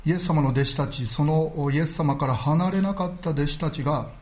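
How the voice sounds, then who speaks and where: A man delivering a Sunday sermon, his voice sitting a little high. He speaks earnestly and at a measured pace, filling pauses with small verbal fillers. He slows down deliberately to press home his main points. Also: darkish tone. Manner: measured, earnest preaching with frequent filler words. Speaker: pastor.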